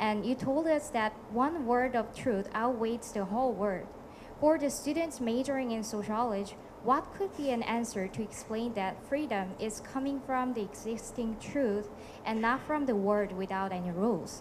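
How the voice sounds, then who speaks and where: A woman's fairly high voice at a very slow pace, with ordinary pitch variation, over noticeable background noise. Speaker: university student; audience member. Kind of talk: audience question. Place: hall. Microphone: handheld.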